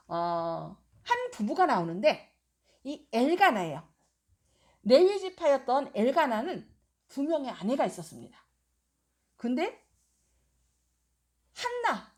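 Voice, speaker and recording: A woman's voice: high-pitched, darkish tone. A woman pastor preaching a sermon, telling a story expressively and quizzing the congregation with questions.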